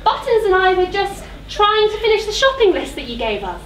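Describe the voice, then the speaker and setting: A woman's voice: very high voice, big pitch swings, fairly quick, fairly bright tone, recorded from a distance, full character voice. A woman playing a put-upon young pantomime heroine, sweet but cheeky, projecting emphatically to the audience. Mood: meek, apologetic. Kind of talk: amateur stage pantomime, addressing audience. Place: theatre stage. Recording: echoey theatre stage.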